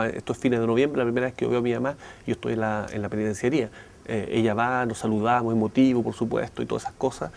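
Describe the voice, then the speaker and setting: A man's voice: medium pitch, gravelly, darkish tone, a little hiss or hum. A middle-aged man, a former political prisoner, recounts his past conversationally in a documentary interview, checking in with his listener. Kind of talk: documentary testimony.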